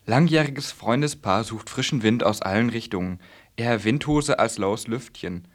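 A man's voice: medium pitch, expressive, normal speed, close to an everyday voice. A man acting in a comic radio play as a naive, chatty young gay hairdresser, camp and teasing. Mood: suggestive.

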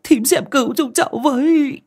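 A woman's voice: high voice, moderate pace, darkish tone, voice pushed up. A woman voicing a grieving mother who pleads tearfully and deferentially. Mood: tearful pleading.

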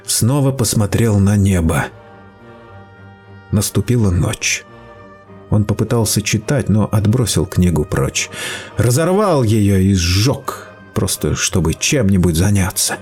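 A man reading a story aloud in steady, measured scripted narration. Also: lowish voice. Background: faint music.

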